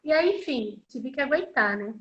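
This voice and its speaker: A woman's voice: high-pitched, lively intonation, normal speed, reverberant, dull audio. A woman interpreting live, voicing a deaf signer's personal story in the first person, in a conversational way with frequent tag questions and repeated phrases.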